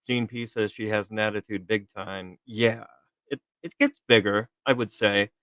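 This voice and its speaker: A man with a bright, forward voice hosts a casual live show. He commentates playfully and poses multiple-choice questions in a joking way. The sound is dry and close, with very little room. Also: on the low side, fairly even intonation, moderate pace, no room sound. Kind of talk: casual quiz-style commentary on video.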